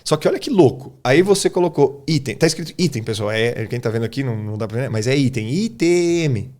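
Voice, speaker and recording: A man's voice: medium pitch, lively intonation, fast, darkish tone. A man from Brazil, an English teacher on a podcast, explaining his method in an informal way and often checking that the listener follows. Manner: informal, keeps checking in with "tá?" and "cara". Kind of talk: casual explanatory podcast talk.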